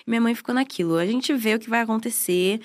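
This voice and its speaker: In a podcast studio, a woman in her twenties from southern Brazil, with no regional accent, chats as a guest in a casual interview. She speaks quickly in a fairly high voice, telling stories chattily and often trailing off to restart.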